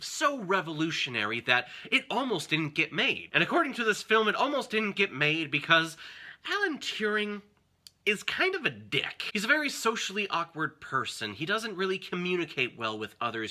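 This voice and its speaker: A young man with a very bright, forceful voice that sits fairly high. His delivery is lively and emphatic, swinging up and down as he presents a casual, enthusiastic movie review as host. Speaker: film review show host.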